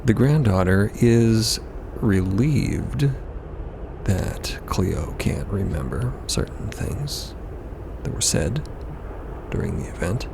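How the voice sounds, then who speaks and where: A man narrates a scripted audio drama in a low, creaky voice. Clear ambient noise sits behind the storytelling. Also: expressive, takes it slowly, long pauses. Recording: noticeably noisy ambient bed behind voice.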